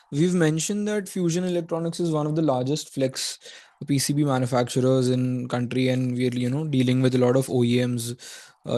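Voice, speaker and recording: A man's voice: mid-range voice, a little mellow, dry recording. A man with an Indian accent asking polite but pointed questions as an analyst on a conference call.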